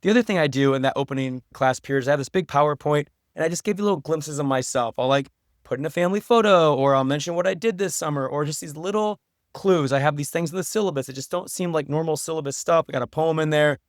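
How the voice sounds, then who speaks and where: A man's voice: on the high side, quick pace, no echo, studio quality. A middle-aged American man chatting casually as a podcast guest, telling stories in colloquial, everyday language. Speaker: podcast guest, writer and professor.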